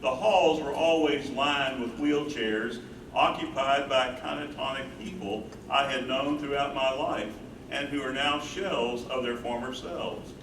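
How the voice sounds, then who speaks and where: A man's voice: mid-range voice, steady tone, unhurried, lightly acted. Guy acting older grieving husband caregiver in a stage reading, earnest, kinda far off with noisy background. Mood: troubled recounting. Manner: earnest, dramatic delivery. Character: grieving, guilt-ridden older husband caring for his wife. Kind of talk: staged play reading, first-person narration. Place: live staged reading in echoey room. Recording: roomy, noisy stage recording from afar.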